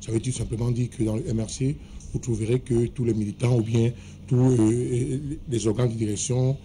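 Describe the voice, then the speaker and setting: A man's voice: mid-range voice, fairly even intonation, normal speed, mellow, a little hiss or hum. A man arguing his point in a heated studio debate, insisting that he be allowed to finish speaking. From Cameroon. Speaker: political debate panelist.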